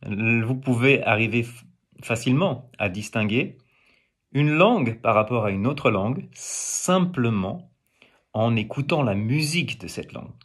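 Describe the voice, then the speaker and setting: Slow-speaking French teacher, a man. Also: medium pitch, animated, a bit bright, breathy edge. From France. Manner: unhurried, explanatory, frequent hesitations; speaks to viewers with polite plural address. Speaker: pronunciation teacher. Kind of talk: video lesson to camera.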